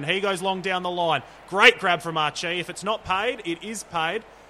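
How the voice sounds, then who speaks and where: Noticeable background noise sits behind this man. He speaks at a high pitch in an animated, playful tone. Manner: fast, animated ball-by-ball calling with quick play descriptions and playful humour; chatty, light-hearted, laughing.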